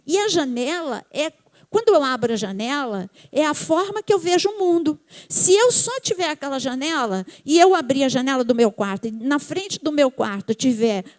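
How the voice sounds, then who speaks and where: A woman's voice: high voice, lively intonation, normal speed. A Brazilian woman giving a conversational church talk on emotions, often checking that listeners follow. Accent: Brazilian Portuguese. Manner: conversational, asks the audience if they follow. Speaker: church speaker.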